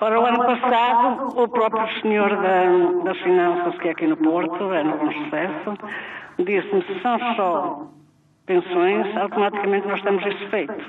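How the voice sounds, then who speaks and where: A woman at a medium pitch and fairly slow pace, lively in intonation, with noticeable background noise. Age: 80s+. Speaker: caller, retired civil servant. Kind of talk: phone-in question. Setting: phone call.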